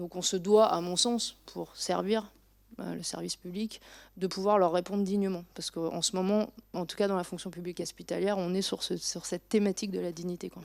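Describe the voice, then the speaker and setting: A woman speaks at a fairly quick pace in a monotone, flat intonation. The recording is very clean, with a silent background. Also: medium pitch for a woman. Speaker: hospital public service manager. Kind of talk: panel discussion. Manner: halting.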